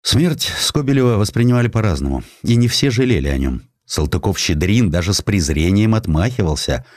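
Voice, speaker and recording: Deep-voiced male narrator, expressive delivery. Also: fairly quick, no room sound, clean studio sound. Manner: expressive storytelling, voicing quotations. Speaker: audiobook narrator. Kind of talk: dramatized scripted narration of a historical sketch.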